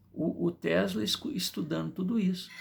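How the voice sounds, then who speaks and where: With vocal fry in his voice, a man speaks using very wide pitch swings. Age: 60s. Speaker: spiritist lecturer. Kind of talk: lecture. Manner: halting, with repetitions.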